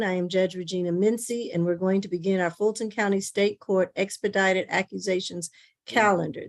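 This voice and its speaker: A woman judge giving formal, measured procedural explanations to open a court hearing. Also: medium pitch. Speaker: judge presiding over a court calendar. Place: remote court hearing on video call.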